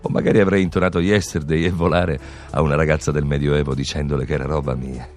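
Male reciter, bass register, scripted poetic tribute, measured delivery over soft music. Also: fairly even intonation.

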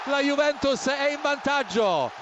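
An Italian man calling football goals live on radio, breathless and excited, breaking into shouts. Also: very high voice, unhurried, crowd noise. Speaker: football commentator. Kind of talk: live radio goal commentary. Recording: noisy, band-limited stadium radio feed.

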